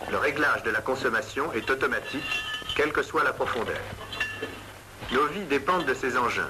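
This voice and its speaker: Noticeable background noise accompanies a man speaking at a moderate pace. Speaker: documentary narrator. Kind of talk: documentary narration. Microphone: old recording.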